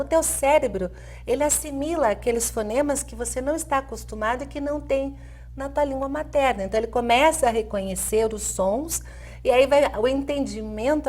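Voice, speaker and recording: This interview guest, a middle-aged Brazilian woman who teaches Spanish, has a slightly high voice with a darkish tone and a Brazilian Portuguese accent. Her explanations come with hesitant fillers, repeated "né?" tag questions and soft laughter.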